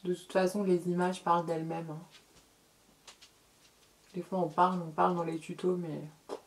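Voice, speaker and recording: A middle-aged woman giving a casual makeup tutorial as a beauty vlogger, chatty, repeating words and filling pauses. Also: on the low side, flat delivery.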